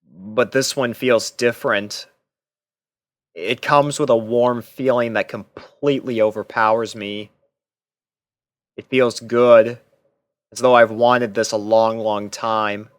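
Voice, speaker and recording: A man reads first-person fan fiction narration at a slow, deliberate pace. His voice is smooth and his delivery earnest. The recording is dry, with no room sound. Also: lowish voice, fairly even intonation, dry recording.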